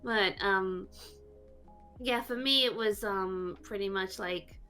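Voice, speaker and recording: A woman VTuber being interviewed, talking casually and haltingly with lots of fillers. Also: medium pitch, bright, forceful tone, soft background music. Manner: rambling, halting, many fillers. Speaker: VTuber guest.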